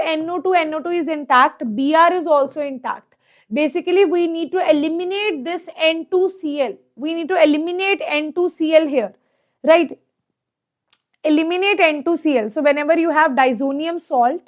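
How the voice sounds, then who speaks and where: A woman with a South Asian accent teaching an exam problem lesson step by step, often checking that students follow with short questions. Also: sits high. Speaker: chemistry teacher.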